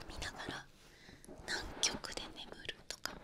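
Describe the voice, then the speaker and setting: A woman speaking at a very slow pace over loud background noise. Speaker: ASMR creator. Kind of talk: soft ASMR chat. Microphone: studio mic.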